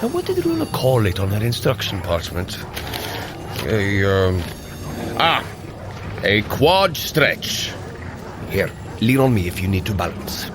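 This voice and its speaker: A hearty, wildly animated warrior god. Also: male voice, on the low side, unhurried, long pauses, background noise. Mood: impatient, instructing. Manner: earnest, commanding, encouraging. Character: hearty, noble warrior god, protective and encouraging brother. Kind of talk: scripted audio adventure acting.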